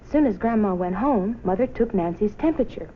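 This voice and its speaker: A woman narrates a children's story with expression, in a medium-pitched voice. The sound is that of an old film track, dull and a little noisy. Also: expressive, a little fast.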